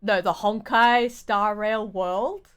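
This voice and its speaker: A woman game streamer giving casual live commentary, rambling and halting as she thinks aloud. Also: medium pitch, fairly even intonation, a bit bright, clear, resonant tone.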